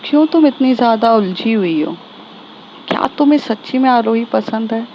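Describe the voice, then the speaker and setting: Lady voicing a caring protective girl friend, reassuring n a bit bossy, fairly high voice, dull lo-fi hiss. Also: lively intonation, moderate pace. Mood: concerned. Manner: soothing, then bossy and protective.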